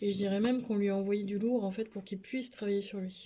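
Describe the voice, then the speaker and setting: A woman with a dark, mellow tone speaks at a fairly quick pace and medium pitch, her intonation monotone and flat. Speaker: tarot card reader. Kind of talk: tarot reading video. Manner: soft-spoken, mumbling; hesitant.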